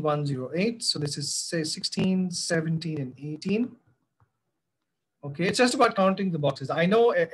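The fairly high voice of a biology teacher with a South Asian accent comes through poor audio as he walks pupils through a tutorial. It's a screen-recorded voice-over, switching between Hindi-Urdu and English.

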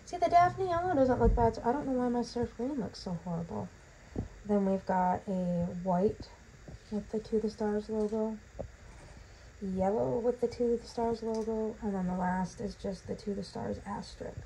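A woman with a warm, mid-range voice talks at a moderate pace, recorded with poor audio and slight background noise. As a vlogger unboxing items in her bathroom, she's chatty and meandering with plenty of ums, her voice still healing from being lost.

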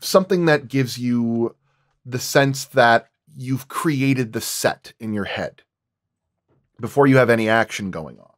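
A man's voice: mid-range voice, a little slow, no echo, studio quality. A man working as a sound designer explains his craft in detail in a roundtable discussion.

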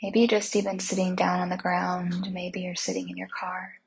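A woman leads a Christian guided meditation in a soft, breathy, fairly low voice with a level tone. Soothing and unhurried, she gives gentle instructions separated by long pauses.

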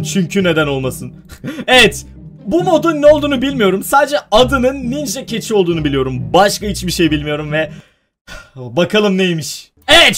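A man hosting a gaming video, giving excited let's-play commentary, chatting with viewers and often breaking into shouted exclamations. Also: high-pitched.

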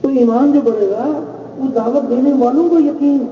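A man preaching a sermon, measured and exhorting, repeating key phrases. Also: extremely high pitch, fairly even intonation. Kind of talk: religious sermon. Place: large gathering space. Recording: echoey, distant, dull lo-fi with faint noise.

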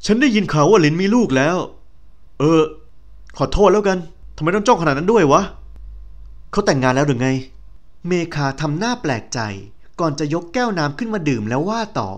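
Male reader doing a high, lively, teasing young friend, bright and chatty. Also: fairly quick, natural voice. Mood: earnest.

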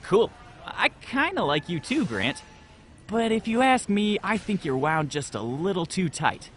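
A man's voice: high voice, sing-song, unhurried, fairly bright tone, a little hiss or hum, heavily acted. A man playing a breezy, obliviously self-assured slacker stock boy in a comedy audio sketch. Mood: smug, casual.

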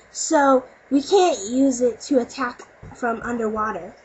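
Woman voicing an eager high-pitched cartoon fox boy. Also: husky, heavily acted. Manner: earnest, plucky, exclamatory. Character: young boy fox, eager clever inventor adventurer. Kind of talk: amateur cartoon character demo reading. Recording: muffled home recording with faint noise.

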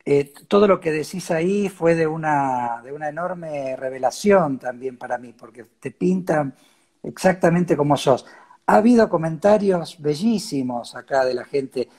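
Guy from the host chair, cordoba argentine spanish accent, raspy, a bit high, pausing for words on a video call. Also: lively intonation, a little mellow. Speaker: interview host. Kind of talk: conversational interview.

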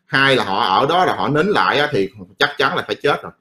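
A man's voice: medium pitch, animated, quick pace, bright, forceful tone. A middle-aged man who rants about politics in a casual, blunt and profane way, rambling and repeating himself. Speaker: political commentator.

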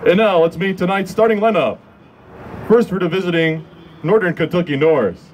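High-pitched young male stadium announcer. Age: 20s. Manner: formal, measured, drawn-out names. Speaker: public address announcer. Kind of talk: stadium PA announcing, scripted intros. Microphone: handheld microphone held close. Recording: outdoor crowd and ambient noise behind.

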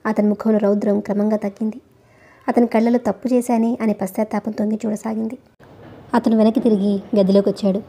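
Brisk woman narrating a novel. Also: mid-range voice, warm tone. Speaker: audiobook narrator.

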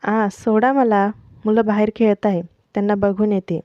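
A woman's voice: medium pitch, fairly even intonation, moderate pace, dry recording, lightly acted. A woman reading the part of a playful young wife who teases and mock-scolds, in a dull, dry lo-fi recording. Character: young wife, teasing and affectionate.

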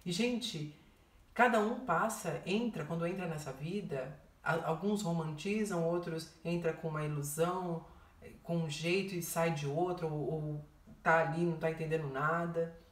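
A woman's voice: sits low, moderate pace, recorded from a distance. Emotional woman vlogger in an echoey room. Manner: heartfelt, repeats herself, addresses viewers as "gente". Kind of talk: emotional personal testimony.

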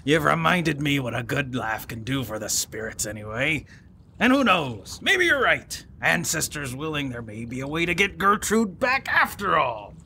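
Creaky, blustering young boatman. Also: fairly high pitch, very animated, normal speed, sharp tone, slight background noise, exaggerated voice. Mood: hearty. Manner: blustering, theatrical, folksy. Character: boastful, melodramatic young boatman and brawling tale-teller. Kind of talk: fantasy audio drama acting.

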